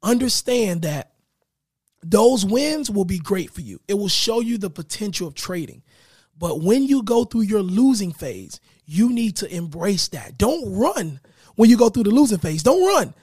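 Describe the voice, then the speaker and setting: Raspy man, hoarse and losing his voice, podcast host, husky, dry close mic. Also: high-pitched, unhurried, no room sound. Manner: energetic, hyped greetings, repeats "right?". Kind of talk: casual motivational talk.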